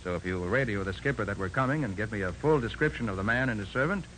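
An actor playing a brisk, confident private detective in a 1940s radio drama. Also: male voice, lowish voice, lively intonation, a bit bright. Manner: brisk, decisive. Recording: faintly noisy old radio recording.

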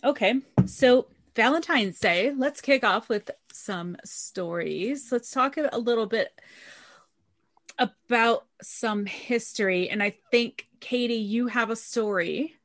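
A woman's voice: a little high, slow. A woman hosting a casual podcast, upbeat and steering the conversation between guests. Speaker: podcast host. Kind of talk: casual chat.

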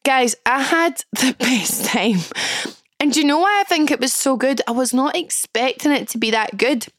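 Glaswegian woman host, young, hoarse and croaky, high voice, dry close sound, bubbly and chatty. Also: animated, moderate pace, no room sound. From Scotland. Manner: bubbly, chatty, swearing freely. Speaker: podcast host. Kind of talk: casual chat.

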